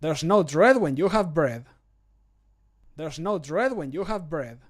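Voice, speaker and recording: A man voicing a flamboyant, theatrical, food-loving video game character, declaiming with drawn-out endings. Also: fairly high pitch, lively intonation. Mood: playfully grand. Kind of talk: video game voice-line recording.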